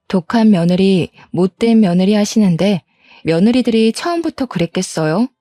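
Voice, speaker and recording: A woman's voice: mid-range voice, dark tone, no room sound, clean studio sound. A woman in her thirties reading a first-person story aloud in an aggrieved, complaining tone. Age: 30s.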